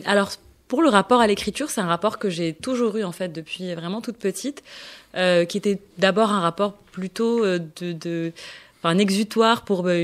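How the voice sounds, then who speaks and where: A woman in her thirties, a novelist guest on a local radio show, speaking at a medium pitch. She answers thoughtfully but haltingly, with frequent fillers and restarts as she searches for words. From Morocco. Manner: hesitant, many fillers and restarts.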